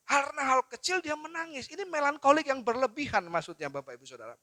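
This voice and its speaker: A man, preaching at a seminar in a lively storytelling way and talking straight to his audience. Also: extremely high pitch, fast talker, no room sound. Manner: lively storytelling with acted quotes, addresses audience directly. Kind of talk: seminar sermon.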